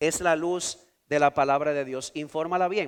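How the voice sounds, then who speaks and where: A man speaks in an animated tone at a fairly slow pace, on a very clean recording with a silent background. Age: 40s. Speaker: pastor. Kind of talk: sermon.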